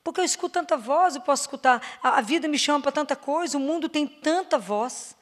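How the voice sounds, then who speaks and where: A woman with a Brazilian Portuguese accent preaching a sermon to a parish prayer group. She asks her listeners questions, slows down on words she stresses and drops to a soft, low voice on key phrases. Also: expressive. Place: church or parish hall.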